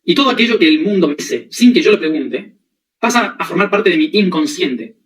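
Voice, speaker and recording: A man's voice: fairly high pitch, animated, fairly quick, far from the mic, low-quality recording. A man giving a spiritual lecture, explaining with everyday examples and often checking that listeners follow. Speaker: spiritual teacher.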